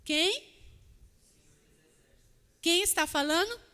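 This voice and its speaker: A woman's voice: very high voice, extremely slow, sharp tone. A woman preacher giving an earnest sermon, often asking the congregation for an amen. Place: church hall. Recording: long church-hall reverb.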